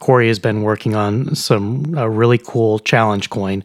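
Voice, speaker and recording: In an unremarkable speaking voice, a man talks at a fairly slow pace and a medium pitch, with fairly even intonation. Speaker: podcast host. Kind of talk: religious discussion podcast.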